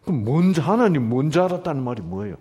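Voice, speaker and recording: A man's voice: fairly high pitch, big pitch swings, quick pace, warm tone, breathy edge. A man preaching a sermon, asking the congregation questions and acting out quoted lines in shifting voices. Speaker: pastor.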